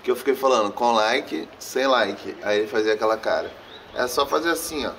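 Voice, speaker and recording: A man's voice: mid-range voice, fairly quick, far from the mic, background noise. A young man vlogging casually to camera with a sore throat, speaking in a slangy, chatty way outdoors. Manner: slangy, talks straight to camera. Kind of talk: casual vlog chat. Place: outdoors against a sunny wall.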